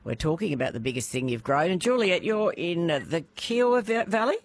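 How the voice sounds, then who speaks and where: A woman's voice: fairly low pitch, animated, brisk, no echo. A woman hosting a talkback radio show, chatty and playful, laughing easily. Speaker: radio host.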